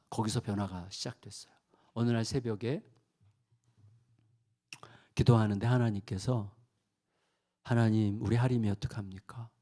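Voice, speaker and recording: A middle-aged male pastor delivering a revival sermon at a middle pitch. He tells a personal story, dropping to a hushed, confessional tone and then rising to loud urgency.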